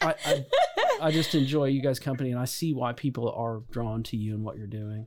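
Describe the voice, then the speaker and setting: Over noticeable background noise, a man at medium pitch speaks fairly quickly with ordinary variation in pitch. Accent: American. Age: 50s. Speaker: music venue owner and musician. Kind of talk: casual interview. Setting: recording studio.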